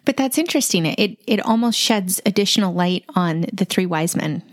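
A woman's voice: medium pitch, lively intonation, normal speed, no room sound. Reflective woman discussing scripture, dry close sound. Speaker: Bible study podcast co-host.

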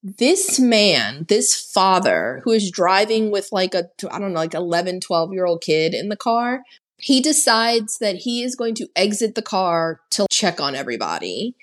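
Her mid-range voice swinging widely in pitch, a podcast co-host recaps a horror film at a moderate pace. She's chatty and sarcastic, leaning heavily on "like."

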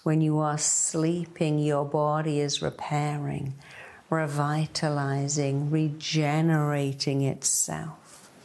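Female meditation guide: low, creaky voice, soothing and deliberate, phrases broken by pauses. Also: flat delivery, darkish tone. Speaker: meditation guide, hypnotherapy-style narrator.

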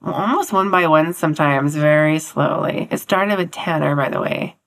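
A woman with a lowish voice co-hosting a podcast while sick, sounding a bit sniffly. She chats easily and laughs often. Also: moderate pace. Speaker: podcast co-host, therapist. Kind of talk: casual podcast chat.

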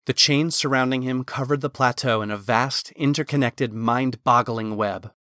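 A man reading a fantasy novel chapter aloud as a narrator, in a steady, measured storytelling manner. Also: medium pitch, dry recording, studio quality.

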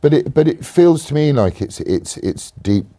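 A man hosting a casual political chat, animated and jokey, with sudden mocking asides. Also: on the high side, moderate pace. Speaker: interviewer and podcast host.

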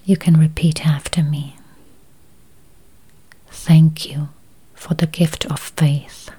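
A woman leading a guided meditation in a soft, breathy near-whisper, with calm, soothing, deliberate phrasing. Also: low-pitched.

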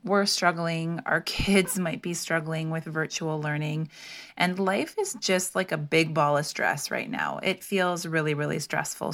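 A woman with a lowish, soothing voice hosts a wellness podcast. She talks softly and unhurriedly, with a casual, open warmth before a meditation. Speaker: podcast co-host, holistic health practitioner. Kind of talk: casual chat, gentle intro to a guided meditation.

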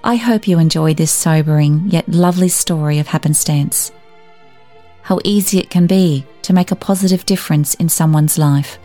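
Female storybook narrator, slightly low voice, expressive literary read, faint music. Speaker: story narrator and podcast host.

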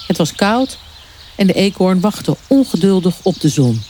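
A woman reading a children's story aloud in a calm, unhurried storytelling manner. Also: fairly low pitch, slight background noise. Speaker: story reader.

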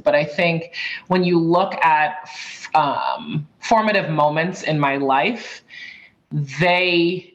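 A woman from Boston, in her thirties, speaking as an interview guest in a warm, chatty way with frequent ums and likes. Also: sits low, rough recording. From Boston, USA. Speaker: guest, tech author. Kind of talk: casual interview.

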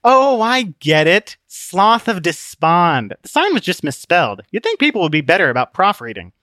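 A man voicing a sardonic, deadpan female hologram book, a scoffing know-it-all in an audiobook story. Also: high-pitched, moderate pace, dry recording, voice pushed up, heavily acted. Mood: dry sarcasm.

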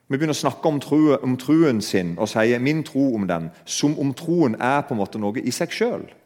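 A man's voice: medium pitch, animated, a little mellow. Man preaching in an echoing hall. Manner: conversational, addresses listeners directly. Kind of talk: sermon. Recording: long hall reverb.

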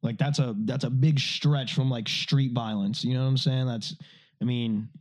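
A man's voice: medium pitch, normal speed. A man co-hosting a podcast, swearing freely and telling stories in casual chat. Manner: profane, animated storytelling. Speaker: podcast co-host.

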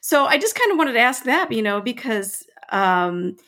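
A woman's voice: a little high, big pitch swings, normal speed, fairly bright tone. A woman co-hosting a podcast in casual chat, asking curious questions and encouraging her co-host.

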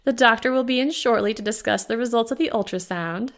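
A woman's voice: fairly high pitch, brisk, voice pushed up, natural voice. Woman doing a cheerful ultrasound technician.

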